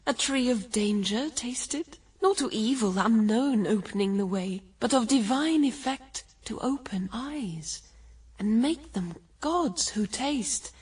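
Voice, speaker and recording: A blithe, seductive first woman in a classical radio drama. Her high voice is hushed and breathy as she draws out persuasive verse. She sounds slightly away from the mic. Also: distant mic, heavily acted, low-quality recording.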